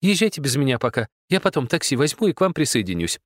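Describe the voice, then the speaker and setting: A man's voice: medium pitch, very animated, fast talker, no echo, clean studio sound, voice pushed up, natural voice. A man voicing a flustered, earnest young woman who keeps apologizing, in an audiobook. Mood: apologetic.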